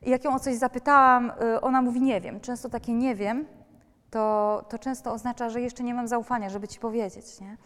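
A woman giving a talk to parents as a counselor, speaking directly to her listeners and often checking in with quick tag questions. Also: on the high side, fairly even intonation, a bit bright. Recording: reverberant hall.

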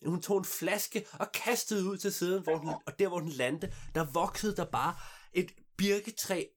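An improvising storyteller who tells the tale in an animated, playful way and laughs at the jokes. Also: medium pitch.

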